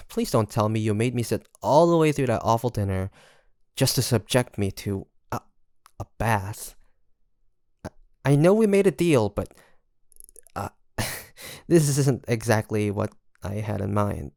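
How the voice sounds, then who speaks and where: A performer as a pirate captain, unhurried, gravelly fry, teasing, flirtatious, halting, intimate ASMR roleplay. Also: mid-range voice, expressive, no echo, clean studio sound. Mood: flustered, reluctant. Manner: halting, breathy sighs and soft laughs, teasing.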